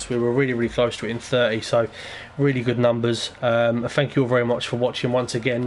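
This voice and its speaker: Guy wrapping up a racing stream, kinda monotone but upbeat, thanking everyone, a bit of noise behind. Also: mid-range voice. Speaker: stream host. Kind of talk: stream sign-off.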